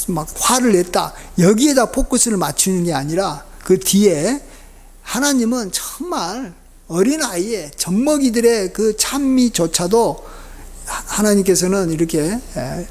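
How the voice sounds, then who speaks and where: High-voiced Korean pastor preaching. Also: male voice, a little mellow. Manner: conversational preaching with many fillers and rhetorical asides. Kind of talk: sermon.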